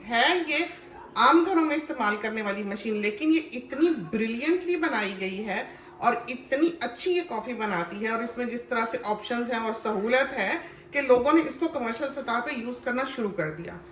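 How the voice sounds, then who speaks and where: A woman's voice: on the high side, animated, normal speed, fairly bright tone, slight background noise. A woman hosting a home cooking channel, chatting casually as she explains and demonstrates a kitchen appliance with lots of fillers. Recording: echoey room with faint ambience.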